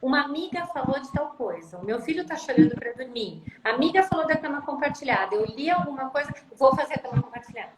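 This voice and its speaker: Speaking fast with hardly any pauses, a woman speech therapist discusses parenting during a video-call live stream in a high-pitched, expressive voice. She repeats phrases to stress them emphatically, and the recording comes from an echoey room full of loud background noise.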